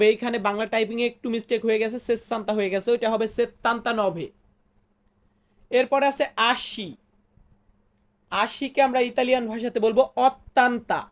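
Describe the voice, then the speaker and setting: A woman teaching a language lesson step by step, patient and deliberate, saying each new word slowly, repeating it and then explaining it. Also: fairly high pitch. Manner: patient, asks the listener questions.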